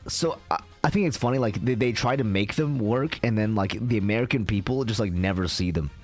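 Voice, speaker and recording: Ranting young Canadian streamer. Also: male voice, on the low side, a little fast, faint music behind. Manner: ranting, casual, swears often, many fillers. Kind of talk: casual live-stream chat.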